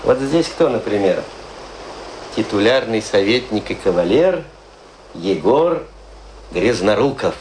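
A man's voice: on the low side, expressive, takes it slowly, long pauses, darkish tone, a little hiss or hum, low-quality recording. An actor in a radio play voicing a chatty, morbidly wry man with an ironic, theatrical delivery full of rhetorical questions. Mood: mocking, gossipy. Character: chatty, morbidly wry man musing over death and graves. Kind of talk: theatrical radio play monologue, conversational Russian storytelling.

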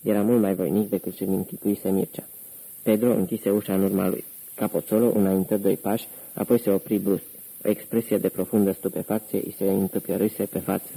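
A man narrating an audiobook in steady, even scripted storytelling. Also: on the low side, creaky, slightly rough, poor audio.

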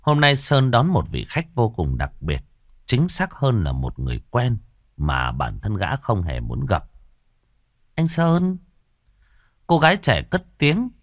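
A man narrating a horror story in a dramatic, expressive storytelling style. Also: fairly low pitch, measured pace, no echo, clean studio sound. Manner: expressive, swinging dramatic delivery.

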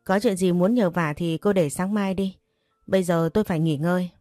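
A man's voice: high-pitched, a little fast, dark tone, dry recording, clean studio sound, faint music behind, lightly acted. A woman reading the part of a teasing, possessive young master of the house, in a storybook. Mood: firm. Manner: teasing and bossy.

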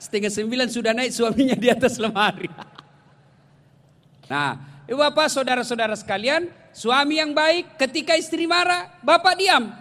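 Joking high-voiced male preacher, echoing hall. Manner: jokey, animated storytelling, addresses the audience directly. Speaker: Islamic preacher. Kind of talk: humorous sermon to a congregation. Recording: long hall reverb.

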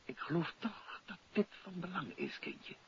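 Suave detective, lively old radio sound. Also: male voice, sits high, a little slow, a crowd in the background. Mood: confiding, pensive. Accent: Netherlands Dutch. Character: suave married male amateur detective, affable and composed. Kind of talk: 1950s Dutch radio drama acting. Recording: dull vintage 1950s radio recording.

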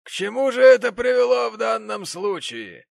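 A man's voice: very high voice, very animated, normal speed, gravelly, no echo, studio quality, pitched above the performer's own voice, heavily acted. A man voicing a pompous, indignant rich middle-aged father who owns a foundry, in an audiobook reading.

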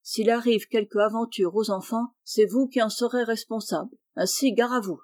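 A hurried train conductor giving brisk orders, as a woman reads him aloud. Her voice stays mellow, pitched a bit above her narration and louder. A storybook audiobook reading. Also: fairly even intonation, natural voice. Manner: brisk, commanding.

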